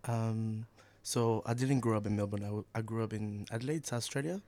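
A man from Egypt, a youth community worker, giving relaxed and easygoing answers in a radio interview. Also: fairly low pitch, a little fast. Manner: relaxed, short easygoing replies.

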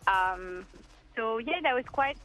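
A woman's voice: on the high side, expressive, slow, fairly bright tone, faint music behind. A woman from France, a musician guest chatting casually in an interview, rambling with lots of filler words. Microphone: phone. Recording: dull phone-call line.

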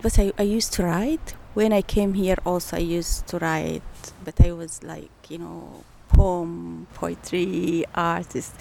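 A woman's voice: fairly low pitch, creaky, darkish tone, a little hiss or hum. A woman of around sixty, speaking as an interview guest and telling her story in an earnest, thoughtful way. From Eritrea. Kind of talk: casual interview.

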